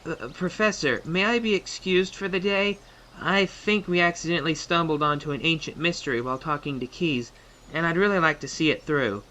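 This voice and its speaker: Man playing an earnest young student, bright voice. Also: a little high, fairly quick, poor audio. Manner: deferential, modest. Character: earnest, polite young male magic student. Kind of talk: comic fantasy audio drama acting.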